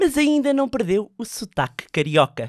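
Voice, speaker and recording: A woman speaks at a moderate pace in a European Portuguese accent, her pitch swinging very widely. The sound is dry and close with no echo, and the recording is very clean over a silent background. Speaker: podcast host. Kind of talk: podcast interview.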